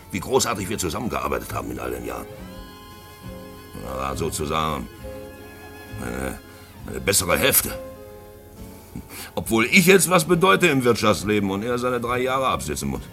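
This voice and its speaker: An actor in a German radio play playing a shady, boastful, sentimental black-market profiteer, expressive and swinging between musing and outbursts. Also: male voice, sits low, normal speed, pauses often, over music, full character voice. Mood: maudlin, boastful. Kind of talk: German radio play acting with first-person narration.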